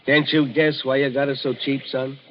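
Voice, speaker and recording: A man's voice: medium pitch, level tone, moderate pace, lightly acted. Actor as folksy, paternal older man. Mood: ominous. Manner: colloquial, paternal. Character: folksy older man giving ominous warnings to youngsters. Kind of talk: old-time radio drama acting. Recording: dull, muffled old radio recording.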